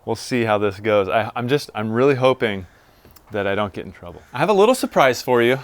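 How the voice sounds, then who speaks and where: A man's voice: mid-range voice, expressive, fairly quick, no room sound. A man hosting a casual how-to vlog, talking in an informal, plain-spoken way. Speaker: video host installing car gear. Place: in and around a car in a garage.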